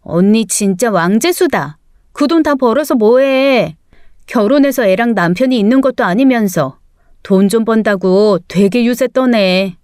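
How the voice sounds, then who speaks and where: Spoiled young sister, sulky and complaining, read by a woman, high and smooth in a story reading. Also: animated, a little slow, darkish tone, no echo, studio quality. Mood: snippy.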